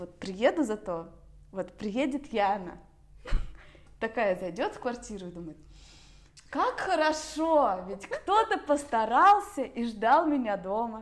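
A woman talks at a fairly slow pace and a fairly high pitch, with long, frequent pauses. Her pitch swings very widely and her loudness shifts a lot, with noticeable background noise behind her. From Russia, Saint Petersburg. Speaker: graphic designer and teacher. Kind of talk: casual chat.

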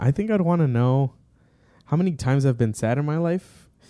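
With an American accent, this man has a dark, mellow tone. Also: dry, close sound with no echo. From Yuma, Arizona. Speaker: podcast co-host. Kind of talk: casual chat.

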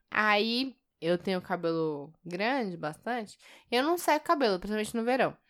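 On a very clean recording with a silent background, a woman speaks at a fairly slow pace with fairly high pitch and very wide pitch swings. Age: 20s. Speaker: podcast co-host. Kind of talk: casual chat.

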